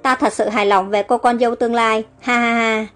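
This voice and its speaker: A hearty, pleased older gentleman from a storybook, read by a woman whose voice sits high, with soft music playing beneath. He speaks with warm approval and easy laughter. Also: steady tone, quick pace, close to an everyday voice. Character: jovial older wealthy Arab man.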